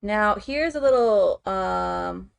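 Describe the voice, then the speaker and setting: A woman's voice: medium pitch, animated, takes it slowly, creaky, smooth, dry recording. A woman streamer chatting casually as she works, thinking aloud with frequent fillers and "okay"s. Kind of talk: casual chat while working on screen.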